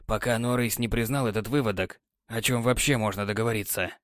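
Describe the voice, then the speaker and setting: Brief: gruff, sighing old sea captain, read by a male narrator, low and quiet. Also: steady tone, a little fast, dry recording, studio quality, natural voice. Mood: weary. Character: weary, gruff older sea captain, tender husband. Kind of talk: audiobook character voice.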